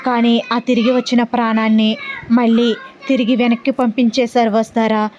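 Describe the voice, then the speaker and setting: A woman's voice: on the high side, flat delivery, moderate pace, darkish tone, muffled recording, a little hiss or hum, lightly acted. A woman reading the lines of a grieving, bitter young man in a storybook tale.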